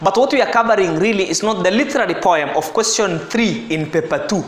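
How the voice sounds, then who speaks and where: A man's voice: high-pitched, a little fast. A man teaching an exam-prep lesson, explaining step by step and often repeating and correcting himself. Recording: echoey room.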